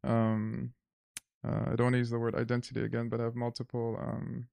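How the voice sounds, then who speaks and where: A man from Zimbabwe, a guest in a reflective conversation, thinking aloud and pausing often to find the right word. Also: medium pitch, monotone, creaky, darkish tone. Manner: thoughtful, searching for words with many fillers.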